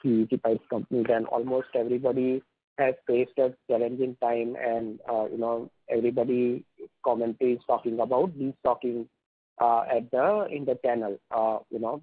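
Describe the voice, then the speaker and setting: An Indian-accented analyst with a husky, mid-range voice asks management questions on a phone-based earnings conference call at a moderate pace. His tone stays steady while he comes across as polite, wordy, and hesitant, and the tinny, narrow phone audio is dry with no room sound.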